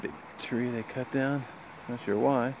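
A man with a creaky voice chatting casually and off the cuff as he vlogs outdoors on a trail, with dry asides. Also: medium pitch, measured pace. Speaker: hiking vlogger. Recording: dull lo-fi outdoor sound, steady noise.

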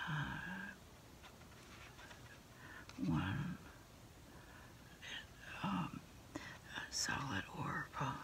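A middle-aged woman doing a soft, unhurried ASMR roleplay as a takeout order taker on the phone, hesitating and trailing off often. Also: low-pitched. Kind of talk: whispered ASMR roleplay, one-sided phone conversation.

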